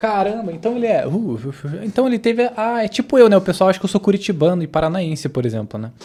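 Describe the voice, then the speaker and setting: With a São Paulo accent, a man speaks at a high pitch in an animated tone, his intonation lively and his pace very fast with hardly any pauses. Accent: Brazilian Portuguese, São Paulo. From Brazil, São Paulo. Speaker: YouTuber reacting to videos. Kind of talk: reaction video commentary. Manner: animated, casual.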